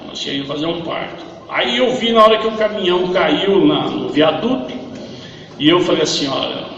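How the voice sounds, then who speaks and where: A man giving a testimony in church, retelling a story and acting out its voices, rising to loud, fervent preaching. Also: on the high side, lo-fi sound, slight background noise. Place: large church hall. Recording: echoey church hall, from far off.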